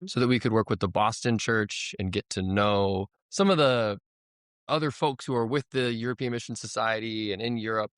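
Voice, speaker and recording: A man in his thirties from the United States, a missionary guest telling his story in a relaxed, rambling way. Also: on the low side, normal speed, clear, resonant tone, dry recording, studio quality. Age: 30s. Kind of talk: conversational interview storytelling.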